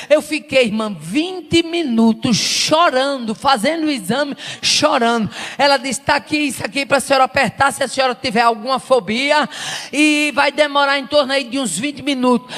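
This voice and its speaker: A woman missionary preacher, giving a sermon with personal testimony in an emphatic, repetitive way that rises to shouts. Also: high voice, long reverb tail. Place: church service.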